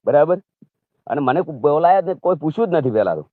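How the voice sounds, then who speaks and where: A man's voice: on the high side, expressive, fast, no echo. A man with a Gujarati accent in a phone conversation, pressing his questions and complaints. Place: phone call. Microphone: telephone. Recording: tinny recorded phone call.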